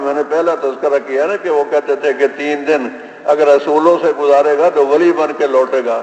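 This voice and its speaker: A man's voice amid noticeable background noise. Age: 80s+. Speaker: preacher. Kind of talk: sermon. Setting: stage with audience. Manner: animated.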